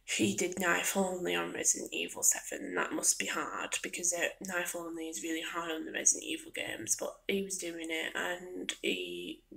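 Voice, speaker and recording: Soft-spoken woman with a creaky, low voice. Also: fairly even intonation, normal speed, hardly any pauses, poor audio. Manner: hesitant, rambling, partly whispery delivery. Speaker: gaming and ASMR video creator. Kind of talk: soft-spoken ASMR ramble.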